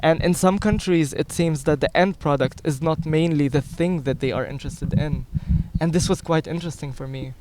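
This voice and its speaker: A man's voice: on the high side, fairly quick, few pauses, background noise. A young man from Lebanon, explaining things articulately in a conversational interview. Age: young adult. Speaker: interview guest, young environmental scientist.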